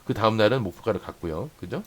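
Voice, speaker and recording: A man's voice: lowish voice, animated, fast. A man hosting a stock trading channel, walking viewers through a chart and repeating points for emphasis. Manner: explanatory, points along a chart with many "here" and "this much"; repeats phrases for emphasis, asks "right?" often. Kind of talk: chart-analysis lesson for day traders.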